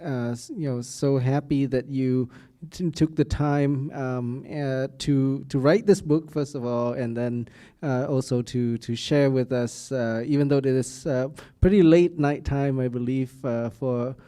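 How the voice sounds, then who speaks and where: A man hosting a university speaker series, effusive in his thanks and halting, with many fillers and stammers. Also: medium pitch, steady tone, dark tone, smooth. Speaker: university host.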